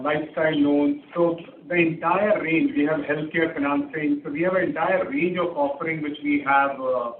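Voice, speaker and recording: A man answers analyst questions on an earnings call, stopping often on fillers. His voice sits a bit high. The sound is thin and phone-like, with roomy echo and faint hiss. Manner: halting, many fillers. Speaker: company executive answering analysts. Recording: echoey, distant, phone-line audio with faint hiss.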